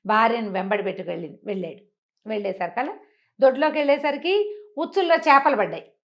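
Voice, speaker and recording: A woman's voice: on the high side, animated, fast. A woman telling a folk story conversationally, acting out the dialogue and asking rhetorical questions as she explains.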